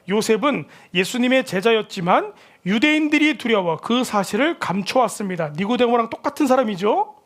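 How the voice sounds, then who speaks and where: A man's voice: sits high, a bit bright. A male pastor giving a conversational sermon who asks the congregation questions.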